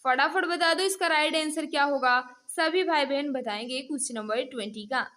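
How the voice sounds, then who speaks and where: Hosting an online exam-prep class, a woman with a high-pitched, slightly bright voice quizzes viewers in an interactive mock-test lesson. She keeps a moderate pace, prompts over and over, and speaks to learners as if they were her friends.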